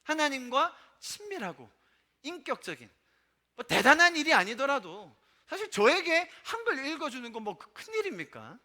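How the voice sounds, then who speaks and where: Animated, bright-voiced Korean pastor preaching. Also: male voice, very high voice, moderate pace. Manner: emphatic, rhetorical questions to the congregation. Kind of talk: sermon. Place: church sanctuary.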